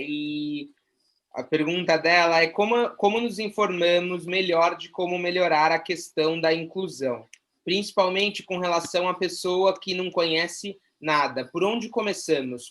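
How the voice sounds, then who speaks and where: A moderator on a video call, calmly reading out an audience question. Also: medium pitch, normal speed.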